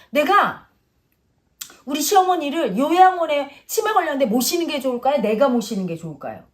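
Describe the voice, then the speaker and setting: Animated woman lecturing on the mind. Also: high-pitched. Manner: lecturing, acts out quoted voices, drifts between plain and polite speech. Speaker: spiritual teacher. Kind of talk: casual spiritual talk.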